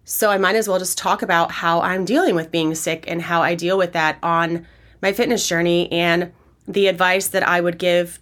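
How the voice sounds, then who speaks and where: A woman hosting her fitness podcast, speaking casually and candidly through a hoarse, raspy voice from being sick, rambling with fillers. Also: fairly low pitch, fairly bright tone. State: hoarse from illness. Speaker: podcast host and personal trainer. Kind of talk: casual solo podcast talk.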